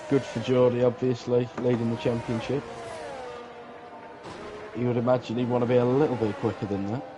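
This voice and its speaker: A man's voice: mid-range voice, level tone, brisk, background noise. A man co-commentating on an online racing league with dry, wry humour. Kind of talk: casual sim racing commentary.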